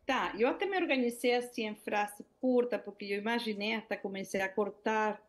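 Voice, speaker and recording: A middle-aged woman with a Spanish accent presents over a video call, pausing on fillers and starting her sentences over as she goes. She speaks Portuguese as a second language. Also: on the high side. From Venezuela. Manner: hesitant, many fillers and restarts. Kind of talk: public hearing presentation.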